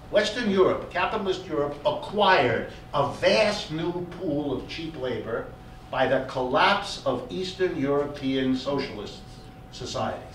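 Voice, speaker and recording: Male lecturer, fairly high and very lively delivery, emphatic, heard from afar in an echoey hall. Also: a little hiss or hum. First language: German. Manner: animated, emphatic lecturing with repeated words. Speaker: economics lecturer. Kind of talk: public lecture. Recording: echoey hall, recorded from far off.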